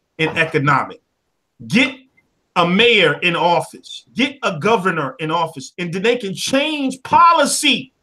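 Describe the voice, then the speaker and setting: A man's high, raised and projected voice, bright and sharp in tone, animated, with very wide pitch swings at a fairly slow pace. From Tennessee. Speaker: online talk show host. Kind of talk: casual livestream discussion.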